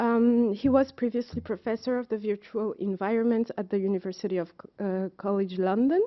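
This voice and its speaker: Delivery comes at a moderate pace with ordinary pitch variation. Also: woman. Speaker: event moderator. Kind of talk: speaker introduction. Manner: halting.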